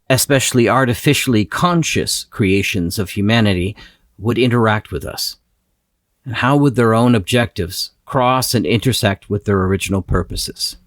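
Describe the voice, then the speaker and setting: A man from Canada talking thoughtfully about his writing, raising questions in a scripted reflection. His voice sits slightly low, and the recording is dry and close. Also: dry recording. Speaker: writer and producer.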